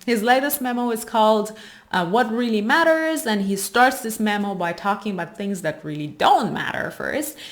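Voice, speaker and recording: A woman's voice: mid-range voice, animated, normal speed. Woman explaining investing research. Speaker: host of an investing video channel.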